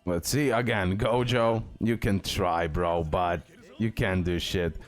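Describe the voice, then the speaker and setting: A man with a fairly low voice talks through a video game as a guide host. His delivery is casual and explanatory. He uses non-native English phrasing and often repeats words and phrases. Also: fairly even intonation, takes it slowly, faint music behind.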